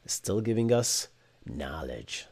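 Low-voiced man with an Arabic accent. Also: sing-song, takes it slowly, vocal fry, darkish tone, breathy edge. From Bahrain. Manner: casual, thinks aloud with restarts and rhetorical "right?". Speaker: host. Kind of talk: live Q&A stream, reading chat questions.

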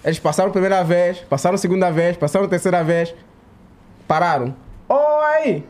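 A high-pitched man with an Angolan Portuguese accent tells a story to the podcast hosts. His delivery is animated, and he acts out the voices of the people in the story. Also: fast. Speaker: guest. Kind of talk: casual podcast chat.

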